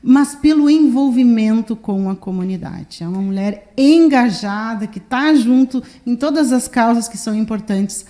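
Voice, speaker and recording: A woman journalist hosting an interview, effusive and admiring toward her guest, with lively interjections. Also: on the high side, normal speed, hardly any pauses. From southern Brazil. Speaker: journalist, host.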